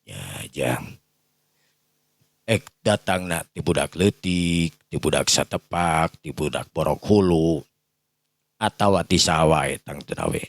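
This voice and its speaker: A man voicing a respectful village uncle in a folk story, halting and repetitive as he pleads deferentially, with a Sundanese accent. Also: rumbling low, dry recording, full character voice. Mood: earnest, respectful.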